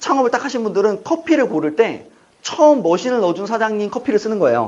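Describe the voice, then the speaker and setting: An animated man with a high pitch talks fairly quickly, his pitch swinging very widely. Noticeable background noise and audible room echo fill the recording. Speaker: author and cafe owner giving a guest lecture. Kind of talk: lecture. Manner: fast.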